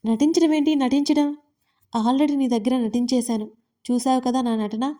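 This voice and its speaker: A woman doing an anguished young heroine for an audio drama, stammering and shaky. Her voice sits high but sounds soft and mellow. She stays defiant throughout. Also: steady tone, moderate pace, lightly acted. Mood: angry. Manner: trembling, stammering speech.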